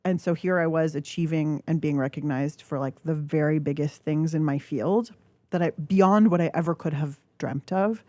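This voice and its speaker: A woman in her forties talks through her thoughts slowly and candidly, with plenty of filler words. Her voice sits low and mellow. The studio mic sounds close and dry. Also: no echo. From California. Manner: reflective, halting, with filler words. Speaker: guest author. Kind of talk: candid radio interview. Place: radio studio. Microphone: studio microphone.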